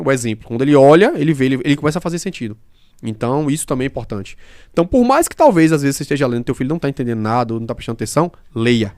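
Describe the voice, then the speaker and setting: A man talks quickly and emphatically as a podcast host, building each point with everyday examples. His voice sits a little higher than most men's, and the sound is dry and close. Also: darkish tone, dry recording. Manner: fast-talking. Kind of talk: casual podcast conversation.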